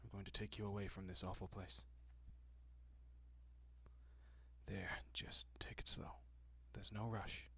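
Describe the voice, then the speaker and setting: A man playing a gentle, courteous, possessive vampire in an intimate audio roleplay, speaking softly and often dropping to a whisper with hushed reassurance. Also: fairly low pitch, level tone, moderate pace, creaky, breathy edge, no room sound, full character voice. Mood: gentle, reassuring. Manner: hushed, reassuring, politely old-fashioned.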